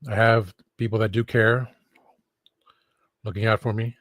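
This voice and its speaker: A man's voice: on the low side, level tone, unhurried, fairly bright tone, no room sound. A man streaming casual talk, rambling and meandering as he goes. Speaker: streamer, host. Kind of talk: rambling casual livestream chat.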